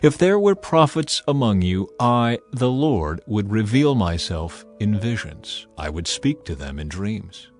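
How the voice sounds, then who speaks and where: Guy doing god in a bible audio drama, stern and authoritative, big pitch swings, music under it. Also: sing-song. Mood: stern, reproving. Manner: authoritative, emphatic, measured. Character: God, stern, commanding, wrathful male deity.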